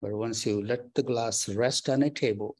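A man leading a guided breathing meditation, giving slow, calm, soft instructions with long pauses. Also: medium pitch. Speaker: meditation teacher. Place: temple or meditation hall.

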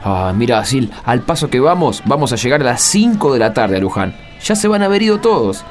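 Radio play role: footsore Argentine male pilgrim, played by a man, whiny banter, lively intonation, faint music underneath. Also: mid-range voice, brisk, natural voice. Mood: weary. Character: tired, complaining, teasing male pilgrim with sore feet.

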